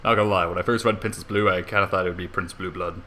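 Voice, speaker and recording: A man's voice: sits low, fairly even intonation, racing, pushed and bright. A man narrating a comedic story theatrically, with irreverent, sweary asides. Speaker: amateur fan fiction reader.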